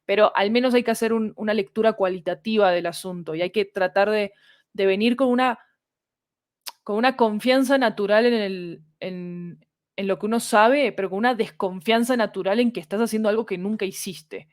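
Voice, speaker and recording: A woman's voice: medium pitch, normal speed, no room sound. Latin American woman explaining, dry close sound. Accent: Latin American Spanish. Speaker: podcast fiction producer, interviewed guest. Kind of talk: explanatory interview talk.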